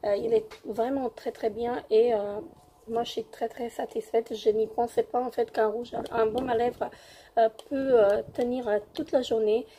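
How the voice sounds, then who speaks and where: A young woman with a cold-roughened voice, hesitantly reviewing beauty products in a casual home vlog with many fillers. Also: a little high, steady tone, moderate pace, warm tone, a little hiss or hum. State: hoarse from a cold. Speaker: beauty vlogger.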